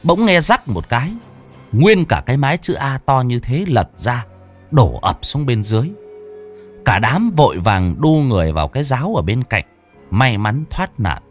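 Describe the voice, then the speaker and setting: A man's voice: medium pitch, big pitch swings, normal speed, soft background music. A man telling a folk ghost story in a dramatic, swooping way.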